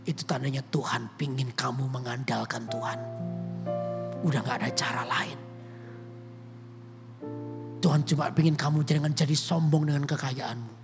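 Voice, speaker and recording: Male pastor telling a story in a sermon, gravelly voice, long church reverb, instrument playing behind. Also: medium pitch, fairly even intonation, moderate pace, long pauses, music in the background. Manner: conversational storytelling, often addresses the congregation directly. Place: church auditorium.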